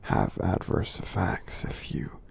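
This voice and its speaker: This is a man voicing a gentle, kindly giant for ASMR, his delivery close to an everyday voice. The tone is low, husky, gravelly and breathy, almost whispered, as he soothes and supports with slow, reassuring words broken by frequent pauses.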